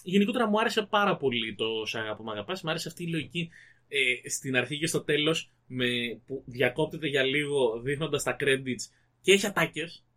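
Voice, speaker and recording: A man's voice: on the high side, lively intonation, pushed and bright. A young adult man co-hosting a podcast in casual chat, thoughtful and a little hesitant with fillers. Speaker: podcast co-host.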